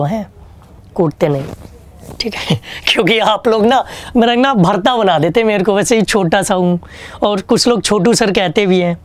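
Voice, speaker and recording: A man teaching an online exam-prep English lesson, chatty and joking, asking questions and answering them himself. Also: sits high. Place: online class studio with a whiteboard.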